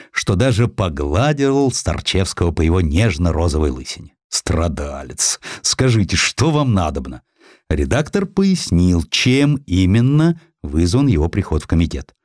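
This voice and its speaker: A man narrates a historical story in a fairly low voice. His delivery is theatrical and wry, with very animated intonation. The sound is dry and close. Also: a little slow, no echo. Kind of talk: expressive scripted narration of historical prose.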